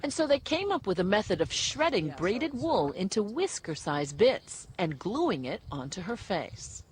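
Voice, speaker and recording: A woman's voice: mid-range voice, measured pace. A woman reading polished, scripted narration for a television news feature. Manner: lively, polished reporter delivery.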